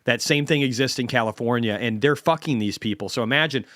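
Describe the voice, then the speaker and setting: Male stream host, blunt profane rant, mid-pitched voice, dry close sound. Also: quick pace, fairly bright tone, dry recording. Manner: blunt, heavily profane, ranting. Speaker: host of a market commentary stream. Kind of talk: unscripted ranting commentary.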